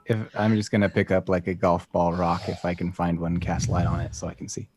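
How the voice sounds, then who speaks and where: A man's voice: low-pitched, little pitch movement, a little fast, a little mellow, faint music behind. A man chatting casually as a player in a tabletop game.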